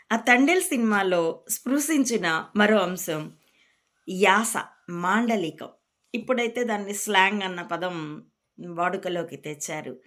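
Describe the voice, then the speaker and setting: A woman from Rayalaseema, a spiritual teacher, giving a calm, reflective discourse to her followers. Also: mid-range voice. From Rayalaseema, India.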